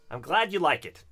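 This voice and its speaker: A man's voice: medium pitch, sharp tone, slightly rough. A man, hosting a casual livestream chat and reading viewer comments in a chatty, self-deprecating way. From Sweden. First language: Swedish. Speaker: livestream host.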